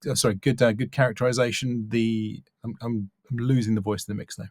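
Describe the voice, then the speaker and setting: A man's voice: medium pitch, little pitch movement, quick pace, noisy background. A man working as a voice-over coach, giving a casual, thoughtful spoken critique and stressing key words. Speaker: voice-over coach reviewing demo reels.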